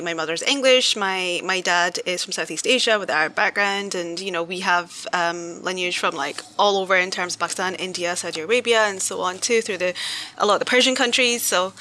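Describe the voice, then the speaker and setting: A woman's voice: medium pitch, sharp tone. A young woman from Glasgow with a Scottish accent, a podcast guest talking in a friendly, chatty way. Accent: Glaswegian Scottish. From Scotland. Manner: friendly, talkative, laughs easily. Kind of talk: casual interview chat.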